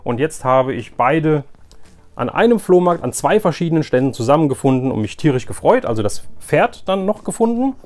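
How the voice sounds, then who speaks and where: A man's voice: fairly high pitch, big pitch swings, fairly quick, darkish tone. A man talking casually and informally to his viewers as the host of a haul vlog, chatty and direct. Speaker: YouTube host, flea market collector.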